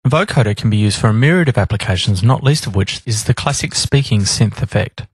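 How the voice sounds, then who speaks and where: A man reading scripted instructional narration in a measured, explanatory manner. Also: on the low side, expressive, husky, dry recording. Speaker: tutorial narrator.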